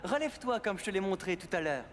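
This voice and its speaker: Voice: mid-range voice, animated, fast, noisy background, close to an everyday voice. A performer playing a patient male children's skating instructor in a cartoon, with an encouraging, instructional manner. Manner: encouraging, clear instructional delivery.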